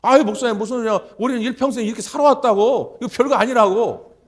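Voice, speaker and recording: Man doing a rough old sailor type, loud and high, blustering. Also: fairly even intonation, fairly quick, in a large hall. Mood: dismissive. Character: gruff old male islander, rough-tongued ex-sailor.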